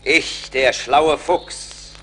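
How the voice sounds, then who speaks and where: A man's voice: medium pitch, drawn-out words, fairly bright tone, slight background noise. A man playing a grave, dramatic tribal warrior in a German radio play. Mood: menacing, grand.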